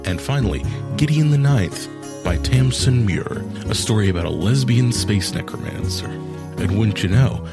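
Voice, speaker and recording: A man's voice: on the low side, vocal fry. A man reading a scripted podcast advertisement. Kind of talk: scripted ad read. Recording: very loud music under the voice. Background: music.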